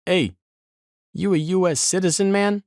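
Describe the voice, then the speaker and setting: A man's voice: high voice, unhurried, a little mellow, dry recording, clean studio sound, voice pushed up. A man voicing a casual male border guard who questions people in a curt, informal way.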